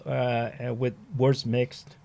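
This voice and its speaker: Gravelly middle-aged man, retired firefighter, loose rambling storyteller who keeps saying "you know". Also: medium pitch, flat delivery, slow, darkish tone. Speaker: retired firefighter and fire training instructor. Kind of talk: casual conversation.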